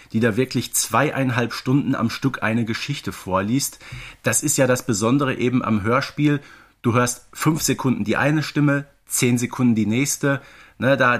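A man's voice: mid-range voice, a bit bright. Conversational man co-hosting a podcast. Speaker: podcast co-host.

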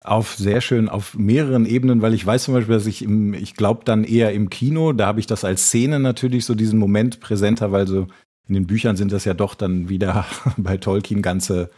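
A man's voice: on the low side, fairly even intonation, a little fast, warm tone, breathy edge. A man co-hosts a podcast. He talks in a casual, conversational way. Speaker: podcast co-host.

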